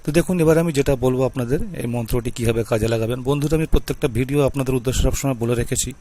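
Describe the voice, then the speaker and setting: A man hosting his own channel, speaking to viewers in a slow, deliberate and repetitive way as he explains instructions and reminders. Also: medium pitch, warm tone. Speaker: YouTube channel host teaching mantras. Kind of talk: talking-to-camera instruction.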